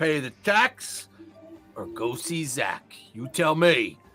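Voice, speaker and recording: A man in a gruff, put-on character voice, fairly high in pitch, very slow in pace, with faint music in the background. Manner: stern, scolding.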